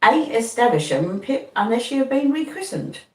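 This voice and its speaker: Lady reading as a kindly plodding blacksmith guy, talk, pitch swinging up and down, roomy echo. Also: very animated, normal speed. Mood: earnest. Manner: plodding rustic speech, earnest and repetitive. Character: kindly slow-spoken blacksmith man, middle-aged. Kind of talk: audiobook reading. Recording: roomy, distant mic.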